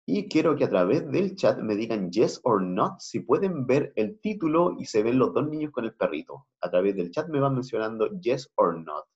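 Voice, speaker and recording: A man with a Chilean accent teaching an English class online, switching between slow English and Spanish explanations. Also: medium pitch, sing-song, a little mellow. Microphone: video call. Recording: muffled video-call audio.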